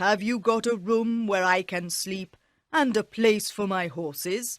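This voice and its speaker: A put-on character voice delivers the lines at a fairly slow pace in a fairly high pitch. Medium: read story. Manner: commanding.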